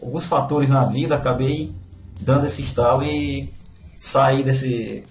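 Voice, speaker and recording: A man from Fortaleza with a Northeastern Brazilian accent, a guest telling his life story in a relaxed, modest way and tagging his sentences with little questions. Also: medium pitch, a little slow, reverberant, soft background music. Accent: Northeastern Brazilian (Ceará). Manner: relaxed, modest, with frequent "né?" tags. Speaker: interview guest. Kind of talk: casual conversational storytelling.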